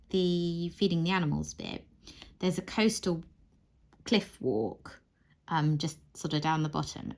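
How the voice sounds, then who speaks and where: A woman in her thirties chatting away as she crafts, rambling and laughing softly, often restarting her sentences. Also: lowish voice, creaky. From Wales. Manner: rambling, warm, frequent soft laughs and restarts. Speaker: crafting channel host. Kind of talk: chatty monologue while crafting.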